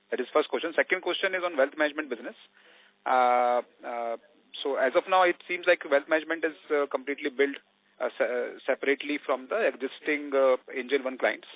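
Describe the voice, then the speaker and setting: A man's voice: medium pitch, dry recording. A man, an analyst asking questions on an earnings call, with many hesitant fillers. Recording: phone line, dry.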